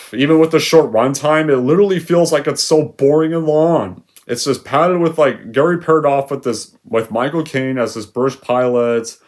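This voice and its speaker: A man's voice: medium pitch, normal speed. Young male reviewer, exasperated rant, sarcastic bursts, mid-range voice. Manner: sarcastic, exasperated, loud outbursts. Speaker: movie reviewer. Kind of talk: ranting movie review.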